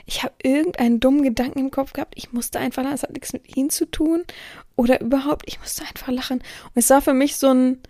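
Rambling high woman with a gravelly edge. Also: steady tone, fast talker, dark tone, dry recording, studio quality. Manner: rambling, self-correcting, acts out quoted speech. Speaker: dominatrix and podcast host. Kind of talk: casual spoken monologue. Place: indoor room with an air filter running. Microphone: close studio-style mic, audio only.

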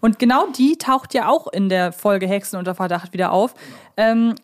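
Female podcast co-host, mid-range voice, relaxed conversational delivery for fan talk. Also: mid-range voice, normal speed. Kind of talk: casual fan podcast chat.

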